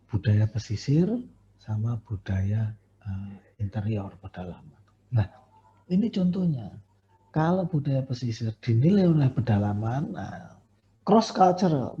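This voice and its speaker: Dark-voiced man giving a casual lecture. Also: mid-range voice, slight background noise. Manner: conversational, many fillers and self-corrections. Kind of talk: recorded university lecture. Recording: dull lo-fi recording.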